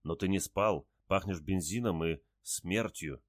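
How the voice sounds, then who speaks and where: A man reading the lines of an anxious young village woman in a soft, hushed, questioning voice. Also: sits low, unhurried, dry recording, clean studio sound. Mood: doubtful.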